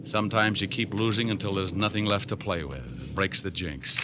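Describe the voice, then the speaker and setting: An actor playing a dry, sardonic private detective who also narrates, in a 1940s radio drama. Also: male voice, low voice, a little fast, lo-fi sound, background noise, natural voice. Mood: wry. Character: wisecracking tough male private eye. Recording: old radio broadcast with music underneath.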